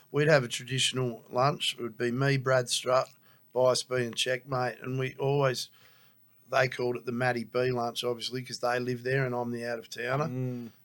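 Speaking with an Australian accent, a man keeps a medium pitch, a moderate pace and monotone, flat intonation. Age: 50s. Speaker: rapper. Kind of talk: casual chat. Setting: studio.

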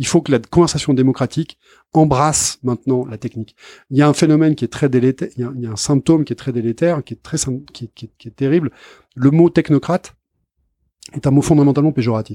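A man at a medium pitch, fairly quick pace, ordinary pitch variation. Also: dry, close sound with no echo. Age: 40s. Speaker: journalist and think tank director. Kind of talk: interview. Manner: halting, frequent repetitions.

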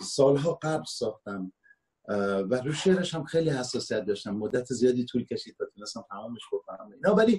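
A man with a dark, mellow tone and medium pitch talks at a moderate pace, somewhat breathy and with very wide pitch swings, in a dry, close sound with no echo. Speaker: singer. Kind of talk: interview.

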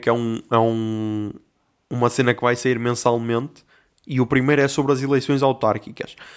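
A man with a medium-pitched voice is heard on a very clean recording with a silent background. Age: 20s. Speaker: podcast host. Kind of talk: casual monologue. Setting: at home. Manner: animated.

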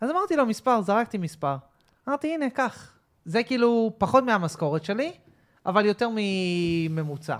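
With an American accent, a man speaks at a moderate pace in a high voice that swings very widely in pitch. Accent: American accent in Hebrew. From Israel (Rehovot), born in Los Angeles. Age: 30s. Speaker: podcast guest. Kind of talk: casual chat.

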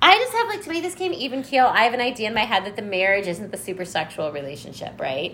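A woman's fairly high voice at a very fast pace, with very wide pitch swings, hardly any pauses and noticeable background noise. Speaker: podcast host. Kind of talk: casual chat. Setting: live small audience.

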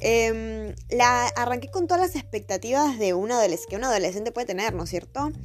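A woman with a Rioplatense accent talks at a fairly quick pace with hardly any pauses. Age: 20s. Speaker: podcaster. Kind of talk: personal storytelling monologue.

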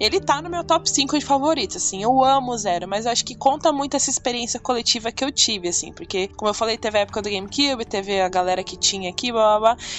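Over noticeable background noise, a woman with a fairly high voice rattles on very fast with lively intonation and hardly any pauses. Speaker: gaming content creator. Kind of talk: casual chat.

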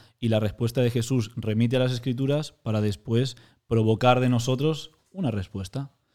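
The man's tone is dark and mellow, at a medium pitch. He keeps a moderate pace and fairly even intonation. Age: 20s. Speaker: guest. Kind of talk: casual discussion of Bible study.

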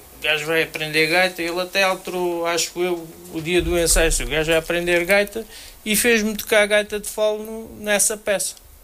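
A man uses a raised, projected voice, high in pitch with fairly even intonation. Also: moderate pace. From Portugal, Pinhal Novo (Setúbal district). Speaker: actor and musician. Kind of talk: radio interview. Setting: radio studio.

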